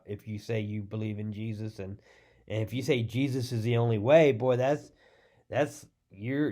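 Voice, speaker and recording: Man, pastor, congested, halting, middle-aged, casual sermon preview. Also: mid-range voice, darkish tone. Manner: halting, many restarts and ums. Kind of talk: informal sermon teaser.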